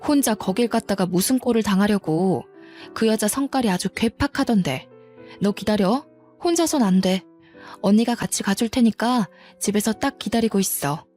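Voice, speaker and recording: A woman's voice: mid-range voice, animated, normal speed, a little mellow, soft background music, close to an everyday voice. A woman voicing a fierce, protective older sister-in-law with a blunt, bossy way of talking.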